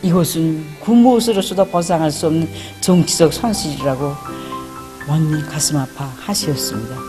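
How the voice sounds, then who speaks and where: North korean accent woman, really low mellow voice, solemn testimony, faint music behind. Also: moderate pace. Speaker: interviewee recounting her father's story.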